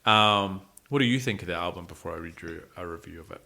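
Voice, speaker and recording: A man's voice: low-pitched, fast talker, vocal fry, bright, forceful tone. A man co-hosting a music podcast, talking casually and emphatically with plenty of swearing and repeating himself for stress. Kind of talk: casual opinionated music discussion.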